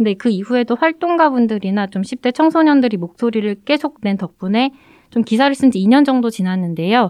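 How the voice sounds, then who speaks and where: An ordinary speaking voice moves at a fairly quick pace with lively intonation. The sound is dry and close, with no echo. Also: woman, fairly high pitch for a woman. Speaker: journalist. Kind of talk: casual chat.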